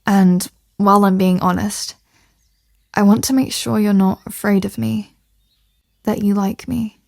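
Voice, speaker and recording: Woman acting as confident mafia boss girlfriend, intimate, teasing, soft-spoken, mid-pitched female voice, dry recording, ASMR roleplay. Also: steady tone, measured pace, gravelly, no room sound. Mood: sincere, tender.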